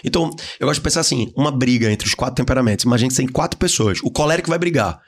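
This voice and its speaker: A Brazilian man guesting on a podcast, talking in slangy casual chat and acting out the people he describes in sudden high voices. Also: expressive, racing. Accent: Brazilian Portuguese. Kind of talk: animated casual podcast talk. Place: podcast studio.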